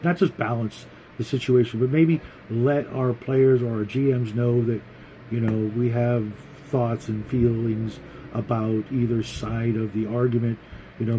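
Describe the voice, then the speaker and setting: A man hosting a casual, unscripted vlog about tabletop gaming, talking to viewers in a rambling, halting, conversational way. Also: mid-range voice, mellow, slight background noise, poor audio. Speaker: host of a tabletop gaming vlog, game master.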